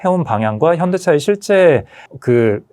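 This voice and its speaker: Lively, explanatory businessman guest. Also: a little high, normal speed. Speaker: asset management CEO guest. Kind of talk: interview, market commentary.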